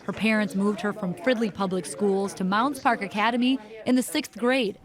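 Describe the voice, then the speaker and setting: A woman's voice: mid-range voice, fairly even intonation, normal speed. A woman with an American accent reading a scripted television news report as a reporter.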